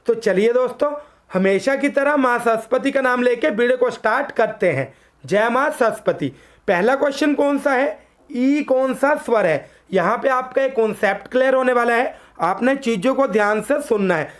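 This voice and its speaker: A woman teaching an online exam-prep lesson. She addresses viewers as friends, slowly sounds out letters for them to repeat, and poses quiz questions that she answers herself in a lower voice. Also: animated.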